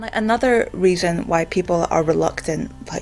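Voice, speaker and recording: A woman with a Scottish accent at a moderate pace, with ordinary pitch variation and noticeable background noise. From Scotland. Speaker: video blogger on stammering. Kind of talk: educational vlog monologue. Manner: disfluent with frequent fillers.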